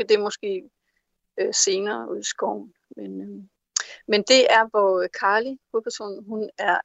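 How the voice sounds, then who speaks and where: A woman's voice: mid-range voice, vocal fry, fairly bright tone, no room sound, lo-fi sound. A woman author in an interview who answers hesitantly with many fillers and reads aloud from her novel. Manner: hesitant with many fillers when speaking freely.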